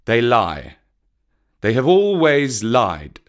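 Man acting out storybook panther, raised pitch, wry, protective, severe, pointed archaic phrasing. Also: huge pitch swings, a little slow, fairly bright tone, heavily acted.

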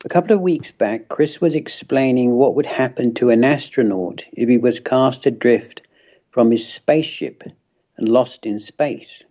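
A man's voice: medium pitch, warm tone. A man asking a wry, joking question in a recorded voice message played on air. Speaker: listener sending a question. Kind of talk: recorded voice note. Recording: dull lo-fi voice message.

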